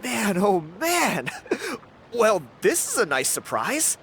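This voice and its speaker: A man's voice: high-pitched, huge pitch swings, takes it slowly, slight background noise, full character voice. A man voicing a cocky, friendly young tribal dancer in a video game, talking in an easygoing, boastful way. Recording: game audio with loud music underneath.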